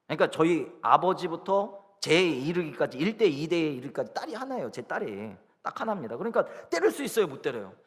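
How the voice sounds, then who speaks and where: A middle-aged male pastor delivers an emphatic sermon, his high voice swinging widely between forceful peaks and soft drops. The long reverb of a church sanctuary rings around each line. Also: very animated, a little fast, few pauses. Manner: emphatic, swings from shouting to near-whisper.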